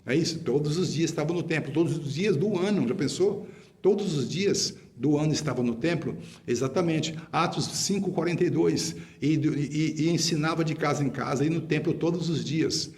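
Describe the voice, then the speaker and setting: A man's voice: fairly high pitch, moderate pace, darkish tone. A man preaching a sermon as an apostle, emphatic and rebuking, repeating phrases for stress.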